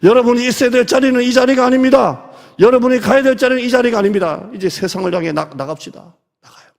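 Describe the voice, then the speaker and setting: A middle-aged Korean pastor with a high voice gives a chatty Sunday sermon, now and then sinking into a hushed near-whisper. His words ring out with a long reverb in a church sanctuary. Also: fast talker, gravelly. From South Korea. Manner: conversational preaching, drops to soft near-whispers.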